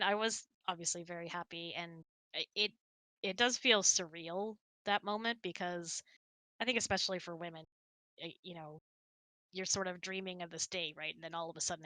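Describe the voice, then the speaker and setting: A woman's voice: lowish voice, bright, forceful tone, no echo. A woman hosting a casual question-and-answer chat in an informal, giggly, chatty way. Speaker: host.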